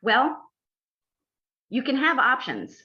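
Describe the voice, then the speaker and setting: A woman's voice: sits high, wildly swooping pitch, slow, muffled recording. A woman, an environmental attorney, hosting a casual podcast and running a quiz with dry, teasing humor.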